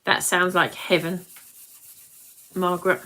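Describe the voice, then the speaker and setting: This craft tutorial host is a British woman in her late forties, running a live demo and wandering into chatty asides to her viewers. She speaks slowly in a fairly low, flat voice with a sharp tone, and the audio quality is poor.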